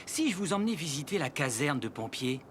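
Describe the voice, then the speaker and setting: Enthusiastic firefighter, animated intonation, slightly high voice, children's cartoon. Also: male voice, a little fast, a little hiss or hum. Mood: helpful, welcoming. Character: friendly, enthusiastic adult male firefighter. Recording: music behind the voice.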